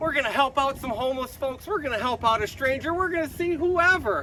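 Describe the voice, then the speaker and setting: The speaker is a man. His voice is raised and projected. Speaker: YouTuber giving rides to homeless people.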